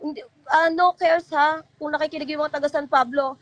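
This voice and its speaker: A woman's voice: sits high, fairly even intonation, a little fast, no echo. A middle-aged woman, talking as a guest in a heartfelt, rambling way and acting out what others said to her. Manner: rambling, heartfelt, quotes others in their voices. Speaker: guest, former church member. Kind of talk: emotional call-in interview.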